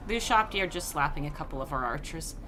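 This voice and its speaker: Lively Swiss woman chatting on a stream. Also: low-pitched, fast, background noise. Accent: slight American-influenced English. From Switzerland. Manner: chatty, laughs often, reads chat aloud. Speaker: game streamer. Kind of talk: casual livestream chat.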